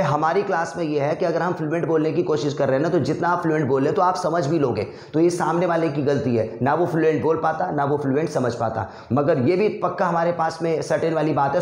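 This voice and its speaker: A young man leads a casual spoken-English lesson in Hindi, drilling short phrases over and over. His voice sits a little high. The room around him rings with echo. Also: darkish tone. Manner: repeats drill phrases over and over, addresses viewers as bhai. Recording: echoey room.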